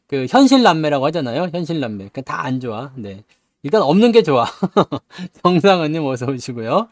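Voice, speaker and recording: Man, 30s, livestream host; bright, animated delivery, jokey and chatty, dry close sound. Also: on the high side, dry recording. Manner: chatty, joking, laughs often, reads viewer names. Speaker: stock market livestream host. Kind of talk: casual live-stream chat greeting viewers.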